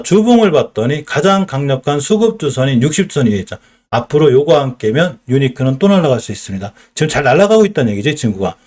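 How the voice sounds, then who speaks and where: Animated man with Chungcheong accent. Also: fairly high pitch. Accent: Chungcheong Korean. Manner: lively, explanatory, asks and answers his own questions. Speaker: stock market streamer. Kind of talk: live-stream stock chart lesson.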